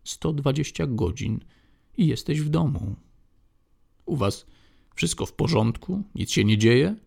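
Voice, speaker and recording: Shadow, a man reading as a wry quiet inmate. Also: medium pitch, expressive, measured pace, vocal fry, husky, voice pushed up, exaggerated voice. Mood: tender. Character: male prison inmate, quiet, wry, tender. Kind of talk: audiobook character voice.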